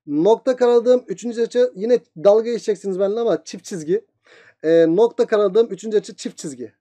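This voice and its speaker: A man's voice: high-pitched, mellow. A man teaching a geometry lesson at speed, asking students' questions himself and then answering them. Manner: very fast talker, voicing student questions himself.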